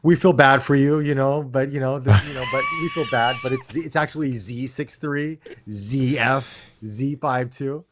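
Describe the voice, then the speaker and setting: A man's voice: medium pitch, huge pitch swings, normal speed, background noise. A middle-aged American man co-hosting a casual live-stream chat, talking emphatically and often restarting his phrases. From United States. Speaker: co-host.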